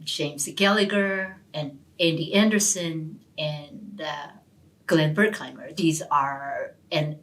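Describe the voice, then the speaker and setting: A middle-aged woman professor, an English speaker, telling stories in an interview, animated and often restarting her words. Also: sits low, takes it slowly, rough recording. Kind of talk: storytelling interview answers. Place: university hall.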